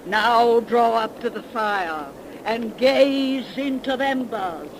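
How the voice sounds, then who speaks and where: A woman voicing an old cackling witch who tells tales in a slow folksy dialect drawl, in 1930s radio drama style. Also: on the high side. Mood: eerie folksy. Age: older. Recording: noisy 1930s radio recording.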